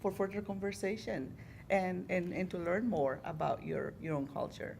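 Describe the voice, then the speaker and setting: A woman's voice: fairly low pitch, steady tone, moderate pace, creaky, darkish tone, a little hiss or hum. A middle-aged woman from Guatemala, speaking reflectively and encouragingly in a group discussion. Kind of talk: casual discussion.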